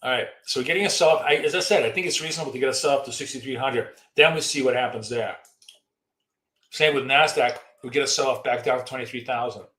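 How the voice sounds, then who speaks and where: A man hosting a long live trading stream, rambling casually through market commentary and viewer questions, his voice going hoarse. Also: medium pitch, quick pace, bright, forceful tone, reverberant.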